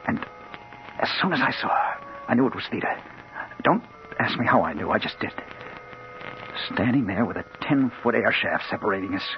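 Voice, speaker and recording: Crime reporter voiced by a man, lively pitch, faint hiss, dull radio sound. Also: moderate pace, long pauses, natural voice. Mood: brooding. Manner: tense, hard-boiled narration. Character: hard-boiled male crime reporter narrating. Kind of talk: 1940s radio acting. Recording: dull old radio broadcast.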